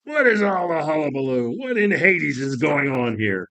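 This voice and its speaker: A man's voice: on the high side, very animated, normal speed, fairly bright tone. Man playing a stern, commanding god of the underworld. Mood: stern, irritated. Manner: commanding, curt. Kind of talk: dramatic play reading.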